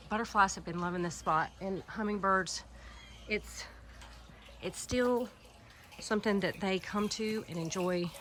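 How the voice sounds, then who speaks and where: A woman's voice: fairly low pitch, a bit bright, a little hiss or hum. A woman with a Southern US accent and a stuffy head cold, chatting casually and rambling with many fillers as she walks through her outdoor garden filming it by hand. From Alabama Gulf Coast, US. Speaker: gardening vlogger. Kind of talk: casual walking garden tour.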